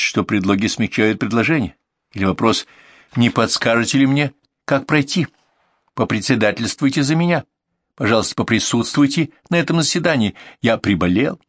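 A man reading nonfiction essays aloud as an audiobook narrator, in a measured, deliberate manner that slows down for lists and examples. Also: on the low side, fairly bright tone, no room sound, clean studio sound.

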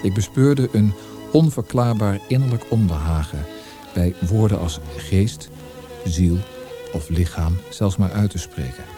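A low-voiced, brooding man of letters confesses in measured, formal phrases. It is an introspective radio drama monologue, with clear music playing behind the voice. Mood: brooding, confessional. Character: troubled male poet-writer reflecting on losing language.

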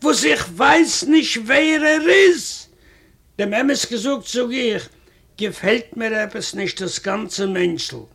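A man's voice: high-pitched, slow pace, vocal fry, a bit bright, husky. A man reading a comic first-person story aloud, in a wry, chatty manner that keeps coming back to "I say". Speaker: reader of a humorous story.

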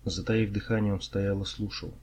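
A man narrating an audiobook in a steady, dramatic reading style. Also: on the low side, moderate pace. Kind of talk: scripted narration.

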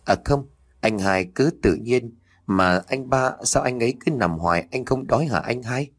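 A man's voice: expressive, normal speed, close to an everyday voice. A man voicing a timid, frightened young village woman who pleads with her family. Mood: nervous. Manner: anxious, pleading, high-pitched.

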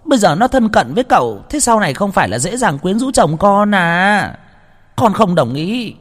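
A man's voice: high voice, big pitch swings, normal speed, big-room sound, voice pushed up. A man voicing a spoiled, cruel young mistress who screeches, curses and whines. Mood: whining. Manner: screeching, cursing, whiny.

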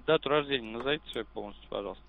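A man's voice: medium pitch, racing, gravelly. A man working as a call agent, making a routine, businesslike request over the phone. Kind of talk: routine call-centre talk. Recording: faint noisy narrowband phone line.

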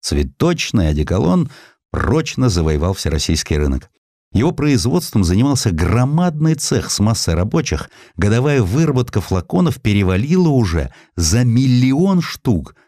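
A man narrating a historical sketch as an audiobook, telling it expressively and slowing down for quoted lines. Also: dry recording, studio quality. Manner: expressive storytelling, voices quotes with shifts of pitch and slowing down.

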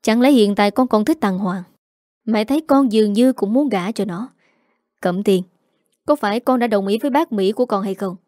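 A woman voicing a stern, furious middle-aged mother who scolds her daughter in sharp rebukes. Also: medium pitch, moderate pace, no echo, clean studio sound, lightly acted. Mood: scolding.

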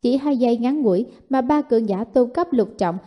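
A woman narrating a martial fantasy novel in steady, even storytelling. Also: on the high side, normal speed, highs cut off. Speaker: audiobook narrator.

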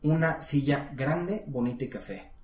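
Woman tutor, patient, models words slowly; roomy echo. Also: deep voice, expressive, darkish tone. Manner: patient, coaching, models pronunciation. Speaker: English teacher. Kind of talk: one-on-one language lesson. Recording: echoey room.

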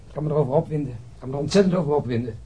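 An actor playing a world-weary police detective in a radio drama, grumbling in a sardonic way. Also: male voice, fairly high pitch, rapid-fire, highs cut off, a little hiss or hum, close to an everyday voice. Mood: troubled.

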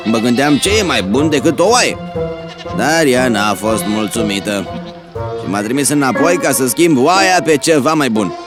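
A man's voice: mid-range voice, animated, natural voice. A man voicing a glum villager who talks in a downcast, hesitant way. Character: glum middle-aged man, friendly villager. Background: background music.

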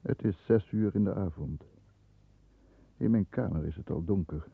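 An actor playing a stern, disdainful middle-aged lawyer who narrates his own thoughts in a measured way in a 1960s radio drama, heard on a muffled old recording. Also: sits low, vocal fry, slightly rough, no room sound, exaggerated voice. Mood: measured, brooding. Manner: measured, introspective first-person narration.

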